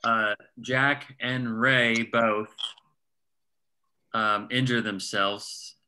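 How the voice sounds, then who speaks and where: Man, very bright sharp tone, slow pace, halting, casual questioner. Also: mid-range voice, fairly even intonation, low-quality recording. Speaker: participant asking questions. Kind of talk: casual group discussion.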